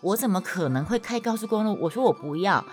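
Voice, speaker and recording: Animated Taiwanese-accented woman storyteller. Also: fast, soft background music. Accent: Taiwanese Mandarin. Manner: animated, emphatic, voice jumps high when worked up. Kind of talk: casual storytelling to listeners.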